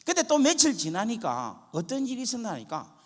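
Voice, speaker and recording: A male pastor preaching a testimony sermon, acting out prayers and conversations, dropping to a hush and then rising to loud cries. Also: very high-pitched, huge pitch swings, fairly quick, in a large hall. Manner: dramatic, acts out prayers and dialogue, swings from hushed to loud. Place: church sanctuary.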